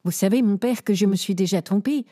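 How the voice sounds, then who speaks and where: Young woman psychic acted by a woman, gentle, hesitant, soft, mellow tone. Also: medium pitch, a little fast, dry recording, studio quality, close to an everyday voice. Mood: troubled. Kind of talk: audio drama acting.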